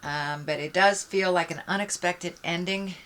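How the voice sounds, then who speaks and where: A woman's voice: on the low side, fairly even intonation, normal speed, fairly bright tone, a little hiss or hum. A woman giving an unscripted tarot reading as host, speaking reflectively and encouragingly, straight to the listener. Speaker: tarot card reader, host.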